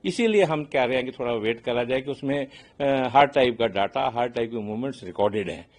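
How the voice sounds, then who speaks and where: Older male expert, Indian accent, medium pitch, halting explanatory interview delivery peppered with English phrases. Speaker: aviation expert guest. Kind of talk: spoken interview commentary, explaining.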